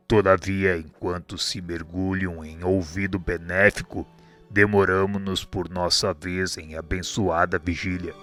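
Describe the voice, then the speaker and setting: A man voicing a wise, elderly spirit instructor in a radio drama, speaking in a calm, measured, teaching manner. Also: low-pitched. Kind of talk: amateur radio drama acting.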